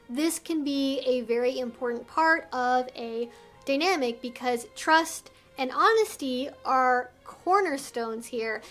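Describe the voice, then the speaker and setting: Female explainer host, high register, articulate and earnest delivery, light music bed. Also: fairly bright tone. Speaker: video host, educator. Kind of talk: explainer video to camera, semi-scripted.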